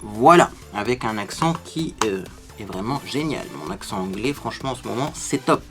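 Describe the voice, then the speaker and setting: A man's voice: lowish voice, expressive, moderate pace, soft background music. A man hosting a makeup tutorial, chatting to viewers as he explains each step. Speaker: beauty tutorial host. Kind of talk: casual makeup tutorial talk.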